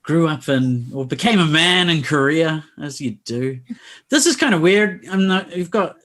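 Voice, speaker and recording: Australian-born man, party guest on a video call, rambling wry humor, voice sits a bit high. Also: expressive, moderate pace, fairly bright tone. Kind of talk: casual chat on a video call.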